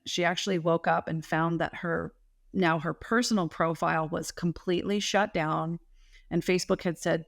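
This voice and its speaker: A woman coaching and telling a client's story in a podcast interview, animated and emphatic, with casual slang. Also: fairly low pitch, no echo, clean studio sound. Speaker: guest business coach.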